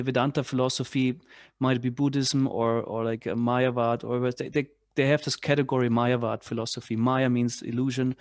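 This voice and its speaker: A man leading a class on spiritual philosophy, speaking in a halting way with many restarts and fillers. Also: mid-range voice, a little mellow, dry recording. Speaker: class leader. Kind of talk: spiritual lecture with discussion.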